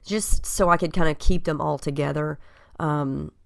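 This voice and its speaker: A woman with a cold-scratchy voice, giving a relaxed, chatty voice-over of her craft process with frequent ums. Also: low-pitched, moderate pace, vocal fry. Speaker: scrapbook crafter. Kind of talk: casual voice-over narrating a craft process video.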